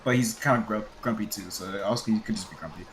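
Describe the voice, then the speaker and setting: A man's voice: on the low side, fast talker, roomy sound, over a noisy crowd. Young man casually running a tabletop game. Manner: casual, laughs often, lots of ums and restarts. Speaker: game master.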